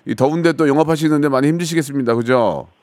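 A man's voice: on the high side, fast, a little mellow, dry recording. A male radio host chatting casually and teasingly with callers. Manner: joking, rambling, teasing.

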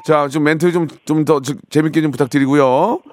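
Brisk, teasing radio host man. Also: on the high side, fairly even intonation, dry recording. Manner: brisk, teasing, upbeat patter. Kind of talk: live radio call-in show. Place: radio studio.

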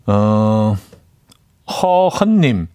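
A man's voice: fairly low pitch, sing-song, very slow, mellow, clean tone. Chatty male radio DJ reading messages. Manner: chatty, laughs often, mimics dialect playfully. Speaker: radio DJ host. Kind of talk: casual radio chat reading listener messages. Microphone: studio microphone.

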